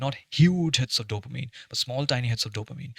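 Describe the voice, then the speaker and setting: Recorded very cleanly with a silent background and a dry, close sound with no echo, a man talks at a fairly quick pace in a medium pitch, somewhat breathy. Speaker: self-improvement youtuber. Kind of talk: motivational talk to camera. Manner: halting, fumbling over words.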